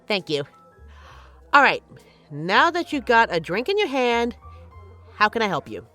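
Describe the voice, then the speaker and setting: A woman's voice: fairly high pitch, big pitch swings, unhurried, pushed and bright, soft background music, full character voice. A woman playing a flirty, teasing but caring bartender in an intimate, conversational audio roleplay. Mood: playful, proud. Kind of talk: intimate scripted roleplay, ASMR-like.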